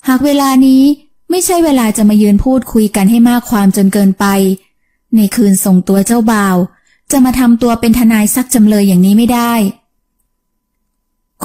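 A woman reads a romance novel aloud as an audiobook narrator. Her telling is gentle and even, her voice mellow and a little high.

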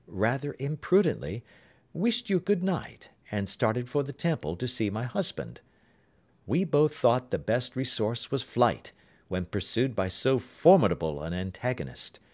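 A man reading aloud as a clever, composed young actress, poised and gently mocking. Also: medium pitch, pitched above the performer's own voice. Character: clever, composed young woman, an actress writing a farewell letter.

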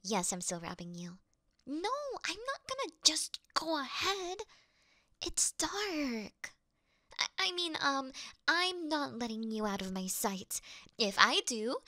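A woman plays a clumsy young female thief with a high, bright voice, recorded close and dry. She blusters like a tough rogue but stammers and gets flustered, easily frightened under the bravado. It is cute, theatrical ASMR roleplay acting. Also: dry recording, exaggerated voice.

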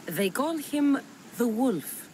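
Tough Greek mercenary heroine. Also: female voice, fairly high pitch, animated, takes it slowly, a little mellow, slight background noise. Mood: resolute. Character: tough, wry young Greek mercenary woman. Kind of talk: video game cutscene acting.

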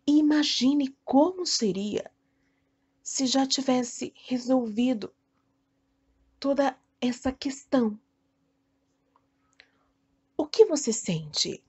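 Very slow, high-pitched Brazilian woman guiding meditation. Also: expressive, a little mellow, breathy edge, dull audio. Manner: soothing, deliberate, short phrases with long pauses. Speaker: guided meditation host. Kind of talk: guided meditation, self-hypnosis narration.

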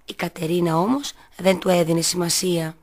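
A woman hosting a children's radio show, reading a story aloud in a clear, measured storyteller's voice. Her pitch sits low for a woman. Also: steady tone, darkish tone. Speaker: kindergarten teacher, radio host.

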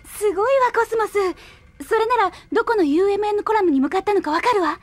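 A decisive young woman leading her team in an anime radio play. Her voice is very high, and she comes across as caring and quick to take charge. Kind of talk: anime audio drama acting.

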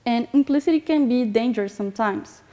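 A woman's voice: a little high, fairly quick, warm tone. A young woman from Brazil with a Brazilian Portuguese accent, giving a conference talk in a large hall, earnest and a little nervous, with frequent "um"s. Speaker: conference speaker.

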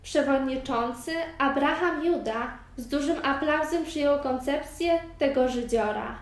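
High-voiced woman narrating a story. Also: a little slow. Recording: very echoey room, far from mic.

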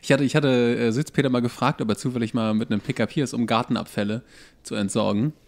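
A man's voice: mid-range voice, fairly even intonation, fast talker, vocal fry. A man co-hosting a casual podcast, with dry, sardonic remarks. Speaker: podcast co-host. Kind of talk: casual chat.

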